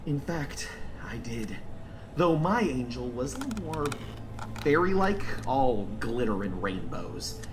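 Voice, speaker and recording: Guy playing sad circus clown whos secretly a killer, polite n droll, animated pitch, slight background noise, audio drama. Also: slow pace. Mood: calm, smug. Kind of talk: full-cast audio drama acting. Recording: faint background noise and ambience.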